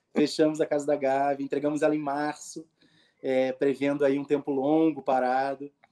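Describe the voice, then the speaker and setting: A man speaks in a dark, mellow tone at a fairly high pitch. His pace is moderate and his intonation monotone and flat. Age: 30s. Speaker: entrepreneur, coworking founder. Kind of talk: interview.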